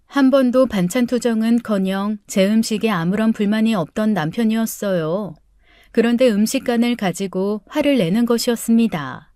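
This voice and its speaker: A middle-aged woman reading a first-person life story as an audiobook, in a measured, earnest tone. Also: on the high side, warm tone, no room sound, clean studio sound. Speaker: story narrator.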